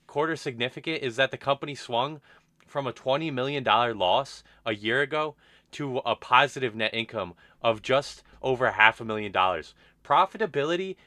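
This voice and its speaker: A man with a bright, forward voice works through quarterly earnings on his own channel, thinking aloud as he goes. He often stops and restarts mid-phrase, and the sound is close and dry. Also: medium pitch, dry recording. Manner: thoughtful, with frequent restarts and fillers. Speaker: investment channel host. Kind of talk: unscripted stock analysis monologue.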